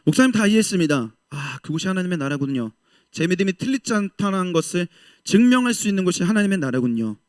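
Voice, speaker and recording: A fervent young male pastor with a high, bright voice preaches to a young adults' service. He surges into loud calls and then drops to quiet asides, acting out quoted voices as he goes. The sound is close and dry. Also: quick pace, no room sound. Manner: passionate, swings from loud exhortation to soft asides; voices the doubters and God's reply in lively quoted speech.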